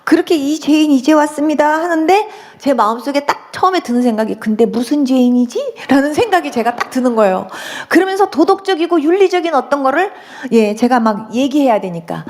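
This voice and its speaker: A woman's voice: sits high, expressive, fairly quick, hardly any pauses, a little mellow. A woman pastor telling her conversion testimony in a sermon, acting out her own past pleading prayers with strong emotion.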